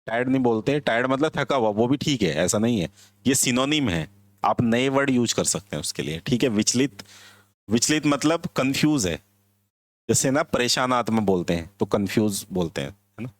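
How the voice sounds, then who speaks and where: A man's voice: medium pitch, expressive, normal speed, no echo. A man teaching English vocabulary in Hindi, explaining word by word and mixing in simple English phrases with an Indian accent. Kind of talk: classroom vocabulary lesson.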